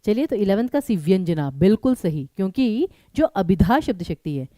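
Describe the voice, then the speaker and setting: A young woman hosts a live online exam-prep class, very animated as she hurries her students to answer and blends English into her Hindi. Her medium-pitched voice is mellow, and the recording is close and dry.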